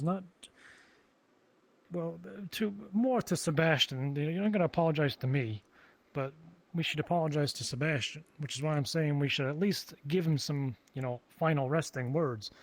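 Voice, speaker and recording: A man improvising in-character conversation, informal, halting and rambling as he talks. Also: medium pitch. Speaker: roleplayer in a virtual reality game.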